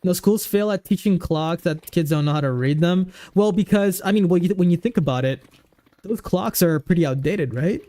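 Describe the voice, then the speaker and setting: A man's voice: high voice, moderate pace, warm tone. Goofy rambling streamer guy in his twenties. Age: 20s. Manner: rambling, full of fillers and restarts; goofy, easygoing. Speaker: livestreamer. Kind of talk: casual livestream chat.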